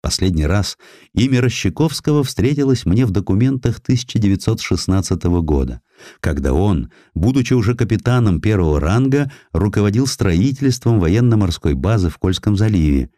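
A male audiobook narrator with a low, dark-toned voice reads historical prose as dramatic storytelling, measured and expressive. The recording is close and very dry, like a studio microphone.

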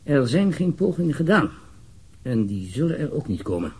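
Government bigwig, very raspy mid-pitched voice, pompous, fussy, emphatic, radio drama. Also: male voice, big pitch swings, darkish tone, exaggerated voice. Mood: grave, self-important. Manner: fussy, emphatic, halting, swearing. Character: pompous, effusive, self-important male ministry official.

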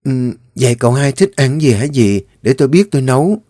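A man's voice: mid-range voice, lively intonation, no room sound, studio quality, pitched above the performer's own voice, lightly acted. A man playing a fiery young wife. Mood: polite. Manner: sharp, indignant, fast retorts. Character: spirited young wife, daughter-in-law of a rich house.

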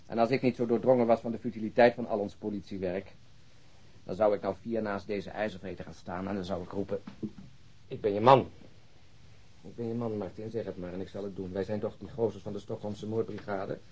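An actor playing a cynical police detective in a radio play, long-winded and mockingly polite. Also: male voice, lowish voice, fairly even intonation, a little fast, a little mellow, husky. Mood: bitter sarcasm. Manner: sardonic, long-winded monologue, mock politeness. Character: cynical, ranting, sarcastic male police detective colleague. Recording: muffled, dull radio play recording.

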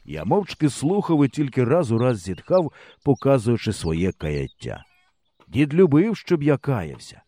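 A man reading an audiobook in an expressive storyteller's way. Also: mid-range voice, unhurried. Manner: lively storyteller's delivery. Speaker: audiobook narrator.

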